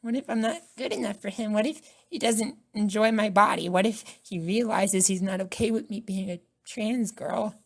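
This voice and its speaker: Woman doing an anxious, timid college girl, high-pitched. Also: moderate pace, creaky, few pauses. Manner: nervous, timid, pleading. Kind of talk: ASMR roleplay.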